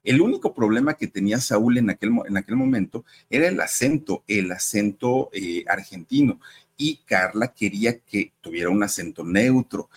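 A man's voice: fairly low pitch, expressive, moderate pace, slightly rough. A man with a Mexican accent who hosts a show and tells celebrity stories in a chatty way, addressing viewers directly. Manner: conversational, addresses viewers directly, uses fillers. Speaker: entertainment gossip host.

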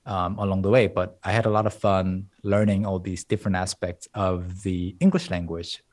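This is a man with a low voice whose first language is Korean. He speaks English in a relaxed interview and explains ideas thoughtfully, reaching for everyday analogies. He laughs lightly now and then. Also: normal speed. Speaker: guest, Korean language teacher. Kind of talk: casual conversational interview.

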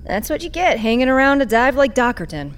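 A woman acting a wry, streetwise black-market trader who patches up cyborgs in a sci-fi audio drama, sardonic and expressive. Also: high-pitched, fairly quick.

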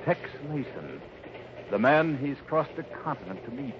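A male announcer with a mid-pitched voice, narrating in dramatic, suspenseful 1950s radio fashion. The old recording is muffled and clearly noisy. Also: sing-song, normal speed. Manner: theatrical, suspenseful.

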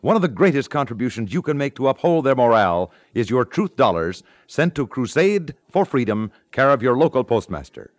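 A man's voice: medium pitch, very animated, fairly quick, few pauses, no room sound, studio quality. An American man reading scripted announcements as a 1950s radio announcer, in a formal, earnest manner.

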